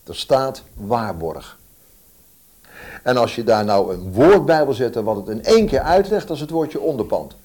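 A man preaching a sermon in an earnest way, with emphatic pauses and swings between loud declarations and hushed, quiet lines. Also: medium pitch, very animated.

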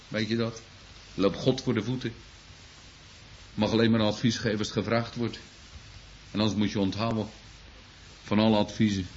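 A pastor preaches to his congregation earnestly, with exclamations, often repeating himself as he restarts sentences. His voice is on the low side and darkish, captured in a dull lo-fi recording with a little hiss or hum.

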